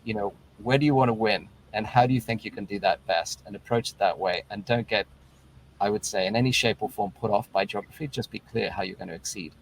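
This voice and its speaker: Low-voiced man giving measured advice. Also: low-quality recording. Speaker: venture investor on a panel. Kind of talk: panel discussion.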